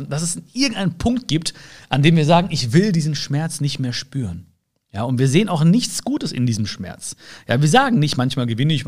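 A young man in an earnest, casual motivational talk, addressing the listener directly with rhetorical questions and frequent fillers. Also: mid-range voice. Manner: earnest, searching, many fillers and restarts. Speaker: personal development speaker.

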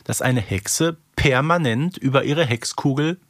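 A man's voice: medium pitch, measured pace, no echo. Dry-recorded man chatting as co-host. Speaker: podcast co-host. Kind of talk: casual discussion of an audio drama series.

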